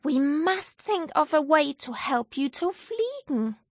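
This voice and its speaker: A woman voicing a bored, excitable young girl who yelps in a high voice. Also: slow pace, no echo, studio quality, exaggerated voice. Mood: alarmed.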